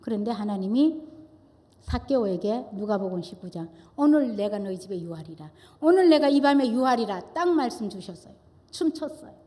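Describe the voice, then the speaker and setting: A woman's voice: mid-range voice, animated, moderate pace. Emotional woman preacher in echoey church. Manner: emotional storytelling, swings from hushed to loud. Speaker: guest preacher. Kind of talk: testimony sermon. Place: church sanctuary.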